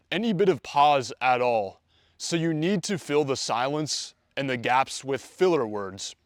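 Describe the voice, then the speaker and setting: A man's voice: on the high side, dry recording, clean studio sound. A man giving dating advice straight to camera in a confident, conversational way. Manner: confident, conversational, acts out quoted dialogue. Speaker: dating coach. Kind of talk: direct-to-camera coaching video.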